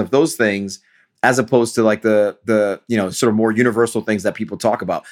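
A man with an American accent talks at a very fast pace, with medium pitch and ordinary pitch variation. The recording is very clean with a silent background. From US Northeast, Bridgeport, Connecticut. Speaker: venture capitalist and entrepreneur. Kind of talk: interview conversation. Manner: frequent fillers and repetitions.

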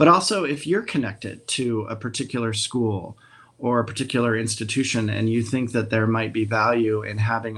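A man's plain, everyday voice with an American accent, medium pitch and a moderate pace. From Colorado, US. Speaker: documentary filmmaker and nonprofit director. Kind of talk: interview.

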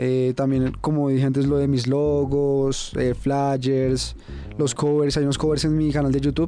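A man speaks in a fairly high voice with monotone, flat intonation. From Colombia, Chía (Cundinamarca). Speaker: rapper and university student. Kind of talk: casual interview. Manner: hesitant, many fillers.

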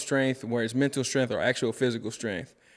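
An ordinary speaking voice, a man's at medium pitch, keeps fairly even intonation on a very clean recording with a silent background. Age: 30s. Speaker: podcast co-host. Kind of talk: casual chat.

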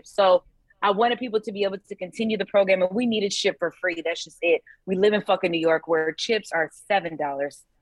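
Speaking at a fairly quick pace, a woman with medium pitch has an animated tone and ordinary pitch variation. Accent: American. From Los Angeles, US. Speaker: comedian and actor. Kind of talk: casual chat.

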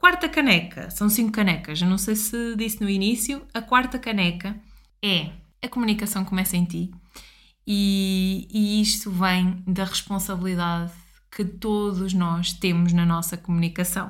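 A woman with a European Portuguese accent speaks at a fairly slow pace in a somewhat breathy voice, with ordinary pitch variation. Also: medium pitch for a woman. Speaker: communication coach, podcast host. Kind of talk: solo podcast monologue. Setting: studio.

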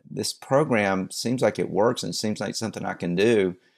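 A plain, everyday voice at a moderate pace against a quiet background. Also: man. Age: 50s. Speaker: pastor. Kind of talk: casual chat.

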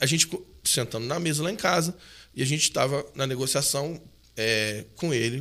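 On a very clean recording with a silent background, a man with a bright, sharp tone talks at a moderate pace and medium pitch with ordinary pitch variation. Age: 40s. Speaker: pastor. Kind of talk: casual chat. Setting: studio.

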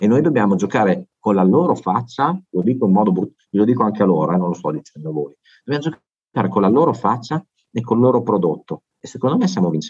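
A man's voice swings very widely in pitch. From Italy, Bologna (Emilia-Romagna). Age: 40s. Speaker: wine consortium director. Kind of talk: interview.

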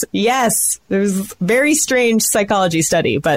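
A woman's fairly high voice, fairly slow and enthusiastic, with lively intonation. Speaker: podcast co-host. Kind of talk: casual interview.

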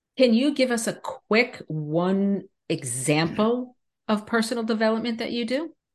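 Woman with an American accent and a normal speaking voice, fairly high pitch, fairly slow pace. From New York. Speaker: life and wellness coach, podcast host. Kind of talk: interview conversation.

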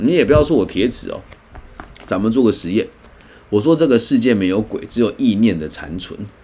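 Very wide pitch swings at a fairly quick pace, with music in the background. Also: man. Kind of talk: book reading and commentary.

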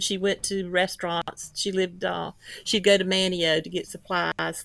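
A woman with an American accent talks at a moderate pace in a normal speaking voice, her pitch fairly low. The recording is very clean, with a silent background. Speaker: author and freelance writer. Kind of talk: casual interview.

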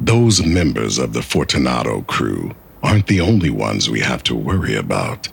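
A man with a raspy voice and very wide pitch swings speaks over clear background noise. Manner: calm, authoritative, guarded.

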